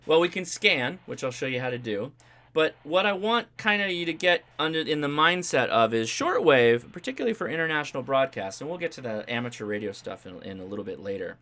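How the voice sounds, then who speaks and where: In a mid-range voice that's pushed and bright, with lively intonation and a brisk pace, a man hosts a ham radio livestream. It's a casual live demonstration where he chats informally, explains each step hands-on, and checks in with "right?" and "okay?"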